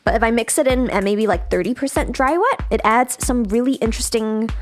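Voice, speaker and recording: A woman's voice: a little high, brisk. A woman trainer teaching music production in a casual, chatty livestream style, thinking aloud as she demonstrates. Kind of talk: casual livestream software tutorial.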